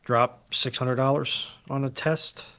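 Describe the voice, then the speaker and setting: Man, medium pitch, casual conversational delivery, livestream co-host. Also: fairly even intonation, slow pace, sharp tone. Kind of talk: casual chat.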